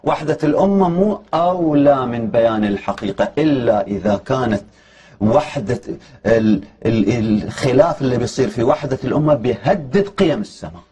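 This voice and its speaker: A man's voice: medium pitch, lively intonation, fairly quick, dark tone, husky. A man giving a heated, argumentative religious lecture, pressing his points with emphatic challenges.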